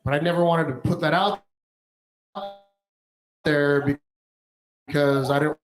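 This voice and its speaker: A man's voice: on the high side, steady tone, slow pace, low-quality recording. A man from Egypt doing a stand-up comedy routine, playful and punchy, sometimes putting on other people's voices. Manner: playful, punchy delivery with put-on voices for hecklers.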